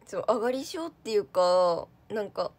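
A woman's voice: medium pitch, expressive, normal speed, a little mellow. A young woman, an idol trainee, chatting casually on a livestream, reading out viewer comments. She is talkative and giggly and uses a lot of fillers.

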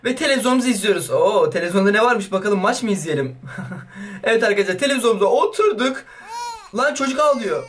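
A young man commentating a horror game as a YouTuber, excitable and swearing playfully at the baby. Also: very high voice. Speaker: gaming YouTuber. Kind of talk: let's play commentary.

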